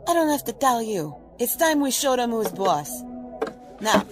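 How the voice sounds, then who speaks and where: An actress playing a bossy gang leader in an audio drama, commanding and taunting. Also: female voice, on the high side, very animated, unhurried, music in the background. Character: bossy female gang leader arming her crew.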